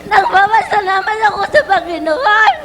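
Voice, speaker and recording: Female Filipino testimony giver, tearful, animated and very shrill pitch, noisy crowd recording. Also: moderate pace. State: tearful, overwrought. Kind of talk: emotional personal testimony.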